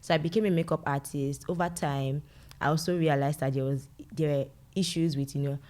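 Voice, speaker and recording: A woman's voice: low voice, steady tone, fairly quick, darkish tone. A young woman with a Nigerian accent, answering conversationally as an interview guest. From Lagos, Nigeria. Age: young adult. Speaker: interview guest, medical doctor and content creator.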